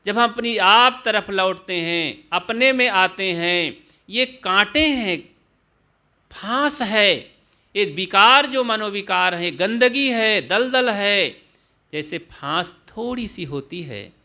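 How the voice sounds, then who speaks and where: A man's voice: high-pitched, lively intonation, takes it slowly, sharp tone. A man giving a sermon, declaiming and listing vices and virtues one word at a time. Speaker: preacher.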